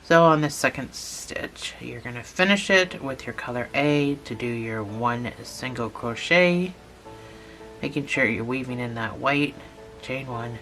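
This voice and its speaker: A channel host talking through a lesson step by step, patient and repetitive, a little hoarse from a cold. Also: medium pitch, expressive, measured pace, fairly bright tone, faint music behind. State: has a cold, losing voice. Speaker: instructor. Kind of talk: step-by-step tutorial narration.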